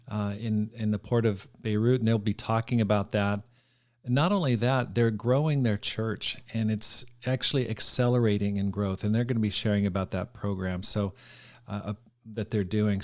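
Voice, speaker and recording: A man hosting a podcast, introducing guests and asking interview questions in an upbeat, encouraging way. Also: lowish voice. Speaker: podcast host.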